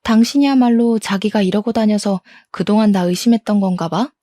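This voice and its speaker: A woman voicing a betrayed wife confronting her cheating husband with indignant, sharp words. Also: mid-range voice, fairly quick, dry recording, studio quality, natural voice.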